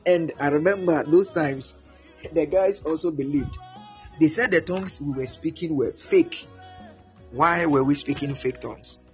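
Ghanaian male preacher, fairly high voice, halting and repetitive delivery, lo-fi recording. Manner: repeats words, animated, acts out prayers and voices. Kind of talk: teaching sermon. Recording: muffled lo-fi with faint music.

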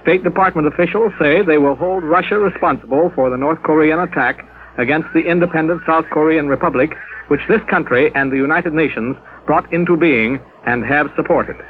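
A male radio announcer reading a formal news bulletin in measured tones, with the sound of an old newsreel. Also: a little high. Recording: tinny old radio broadcast with faint hiss.

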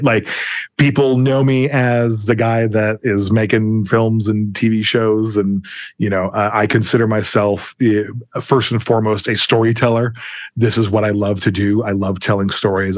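A man's voice: lowish voice, no echo. An American man from Wisconsin speaking conversationally as an interview guest, telling his story in an earnest, enthusiastic manner. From Wisconsin, United States. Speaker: interview guest, film and TV producer.

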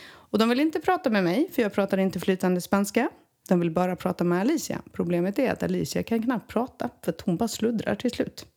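A woman from Sweden recounting a personal story in casual conversation, animated and acting out the people she quotes. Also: mid-range voice, creaky. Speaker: guest telling a personal story.

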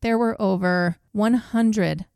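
A woman's voice: medium pitch, steady tone, slow, vocal fry, a little mellow, smooth, no echo, studio quality. A woman co-hosting a podcast, telling a true crime case in a blunt, casual way with swearing. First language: English. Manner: blunt, swears, laughs at grim moments.

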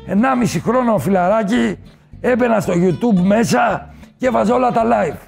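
A man playing a boastful, swaggering nightlife king in a comedy sketch interview, talking loud and brash with shouted punchlines. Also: sits high, vocal fry, soft background music. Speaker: comic guest character.

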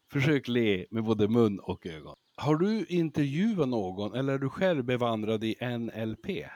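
A man who gives lectures, talking as a podcast guest in a casual, lively way, acting out examples and laughing easily. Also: mid-range voice, no room sound. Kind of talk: casual interview talk.

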